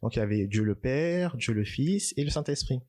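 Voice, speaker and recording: A man talking as a podcast guest about his own experience, halting and correcting himself as he goes. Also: medium pitch, expressive, a little mellow. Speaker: podcast guest, church member. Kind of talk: personal testimony in conversation.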